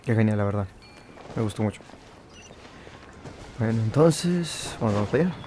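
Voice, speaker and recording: A man's voice: lowish voice, animated, brisk, background noise. A man giving casual commentary as he streams a video game. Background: game music.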